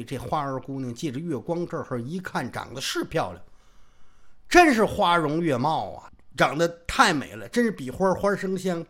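Animated male storyteller. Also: sits high. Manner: animated, colloquial, joking asides. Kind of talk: traditional storytelling narration.

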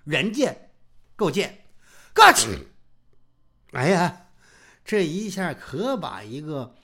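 Lively male storyteller, bright voice. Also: a little high, takes it slowly, breathy edge. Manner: lively, addresses the audience directly. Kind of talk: traditional Chinese storytelling performance.

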